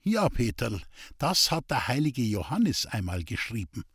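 A man's voice: mid-range voice, sing-song, unhurried, fairly bright tone, slightly rough, dry recording, clean studio sound, exaggerated voice. Man as a kindly Bavarian village priest. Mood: gentle. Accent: Bavarian dialect. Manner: patient, fatherly. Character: kindly, gently teasing older village priest.

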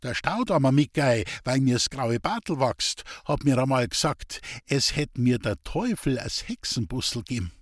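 A man's voice: mid-range voice, animated, normal speed, hardly any pauses, dry recording, studio quality, close to an everyday voice. A man voicing a weary, bitter old village woman speaking in Bavarian dialect in a storybook reading. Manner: plaintive, bitter, resigned.

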